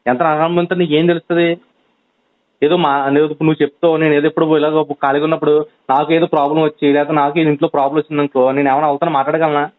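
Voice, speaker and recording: A man on a phone call, urgently pleading and reasoning with a friend, with many restarts. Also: on the high side. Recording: tinny phone line recording.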